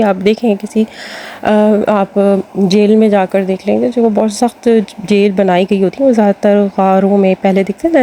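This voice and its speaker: A woman's voice: mid-range voice, dark tone, slight background noise. A woman with a Pakistani Urdu accent giving casual advice to women, chatty and full of fillers, speaking to her viewers as sisters. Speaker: lifestyle advice host.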